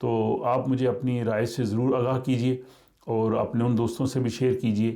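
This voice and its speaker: Middle-aged male teacher, warm and dark tone, measured delivery with hesitations. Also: mid-range voice, flat delivery. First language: Urdu. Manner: slow, measured, with frequent hesitations. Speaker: language teacher. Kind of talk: explanatory language lesson.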